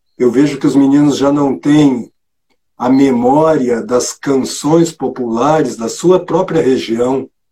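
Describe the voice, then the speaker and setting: With a dark, mellow tone, a man speaks at a fairly high pitch and a very slow pace, using ordinary pitch variation. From Porto Alegre, southern Brazil. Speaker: host of a poetry live stream. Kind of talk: casual interview on a live stream.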